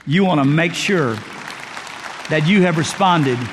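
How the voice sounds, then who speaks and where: An older male pastor preaching a sermon in a conversational, joking way, dropping to a soft voice on key words. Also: fairly high pitch, unhurried, crowd noise, background noise. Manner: conversational, jokey preaching with sudden soft drops. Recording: long reverb of a large hall.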